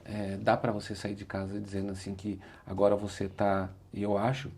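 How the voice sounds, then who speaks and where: Brazilian guy on a podcast, earnest, talks thru his story, gravelly dark voice. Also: fairly low pitch, monotone, normal speed. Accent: Brazilian Portuguese. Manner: earnest, repeats "said like this" when quoting himself. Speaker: interview guest, motivational speaker. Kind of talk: reflective storytelling in conversation.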